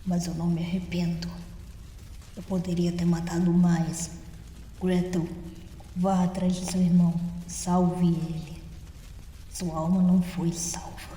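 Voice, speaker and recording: Woman acting as corrupted horror wolf, very dark tone, flat and grave, bitter, drenched in long reverb. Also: fairly low pitch, measured pace, long pauses, lightly acted. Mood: unrepentant, then grave, pleading. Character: corrupted dying wolf creature, vengeful, bitter and unrepentant. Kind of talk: analog horror story acting. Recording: echoey hall-like reverb, muffled dark tone.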